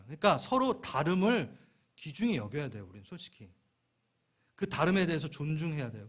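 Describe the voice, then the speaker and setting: A man's voice: on the high side, fairly bright tone. A middle-aged man preaching a sermon as pastor of a church, playful and acting out little scenes in voices. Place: church sanctuary.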